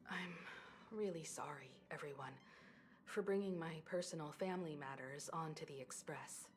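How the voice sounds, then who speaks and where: An actress playing a composed, responsible woman leading a starship crew in a video game, speaking in a measured, polite way. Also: deep voice, lightly acted. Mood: apologetic, composed. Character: composed, responsible adult woman crew leader on space train.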